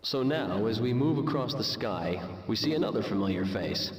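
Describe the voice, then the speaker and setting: An actor playing a dry, sardonic high school teacher in a video game, scolding his class. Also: animated, moderate pace, echoey room, long reverb tail, recorded from a distance, a crowd in the background, natural voice.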